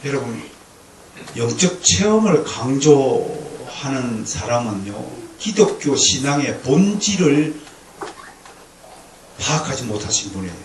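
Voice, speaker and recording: A male pastor preaching a lively lecture-sermon to a congregation, with humor and call-and-response. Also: medium pitch, a little slow. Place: church sanctuary. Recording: echoey hall, distant mic, faint noise.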